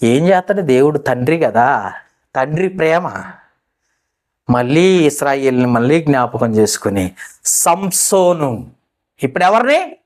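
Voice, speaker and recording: A man preaching a sermon, addressing the listeners with questions and swinging between loud pleading peaks and low asides. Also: very animated, unhurried, pauses often. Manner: asks the listeners questions directly.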